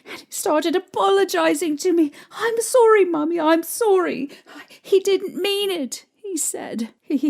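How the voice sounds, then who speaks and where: A woman playing a young mother shaken by strange happenings, recalling them in a halting, hesitant way. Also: sits high, darkish tone. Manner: hesitant, halting recollection with restarts. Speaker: interviewee recounting events. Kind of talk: fan audio drama acting. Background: faint music.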